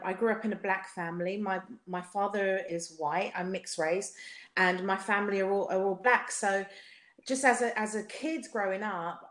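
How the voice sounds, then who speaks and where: A woman with a South London accent giving personal testimony in conversation, speaking emphatically with rhetorical repetition and often checking for agreement. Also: medium pitch. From South London, England. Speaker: podcast guest, singer. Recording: roomy, echoey sound.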